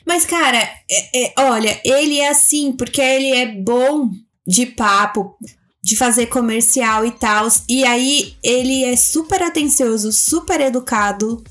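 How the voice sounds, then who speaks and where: A Brazilian woman tells stories in a breezy podcast chat, often restarting her sentences as she goes. Her voice sits high for a woman. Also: a bit bright. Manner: chatty storyteller, quick restarts. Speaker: podcast co-host.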